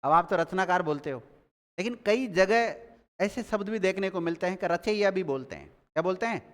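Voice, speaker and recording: A man's voice: high-pitched, lively intonation, fairly quick, a bit bright. Man teaching in a reverberant classroom. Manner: repeats key words and quizzes students. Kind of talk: classroom grammar lesson.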